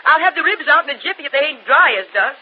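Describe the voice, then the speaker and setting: An actress playing a weary middle-aged former vaudeville singer who scolds and frets, in 1940s radio acting. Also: female voice, high voice, expressive, quick pace. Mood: fretful. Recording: dull old radio recording with faint hiss.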